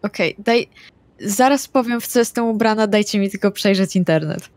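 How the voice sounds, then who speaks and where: A woman's voice: medium pitch, moderate pace, darkish tone, no room sound. A woman chatting casually as a player in a tabletop role-playing session. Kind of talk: casual tabletop game chat.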